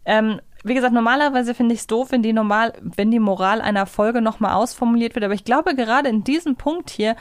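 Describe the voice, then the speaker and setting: A woman's voice: on the high side, brisk, few pauses, no echo. Reflective woman podcaster, dry close sound. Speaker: podcast co-host. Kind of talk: casual fan discussion of an audio drama.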